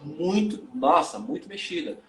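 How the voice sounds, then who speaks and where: A man, a tantra and yoga teacher, telling his personal story as a guest in a live interview, candid and halting, often repeating words. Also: fairly high pitch, animated, a bit bright, roomy sound.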